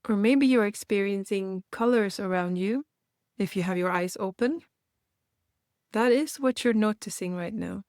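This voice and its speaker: A woman guiding a meditation for beginners in a gentle, reassuring manner, leaving unhurried pauses between phrases. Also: mid-range voice, dry recording, clean studio sound. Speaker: meditation guide and host. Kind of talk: guided meditation, gently instructional.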